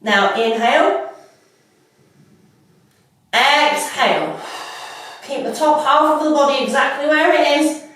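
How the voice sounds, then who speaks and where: A woman with a slightly stuffy cold, leading a workout with calm, unhurried cueing. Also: high-pitched. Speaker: fitness instructor. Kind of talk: guided workout instruction. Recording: echoey room, mic at a distance.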